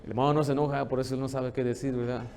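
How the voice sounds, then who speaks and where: A man, preaching a lively sermon in a church and telling stories with humor. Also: mid-range voice, rapid-fire, gravelly, a crowd in the background. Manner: lively storytelling, joking with the congregation. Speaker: pastor.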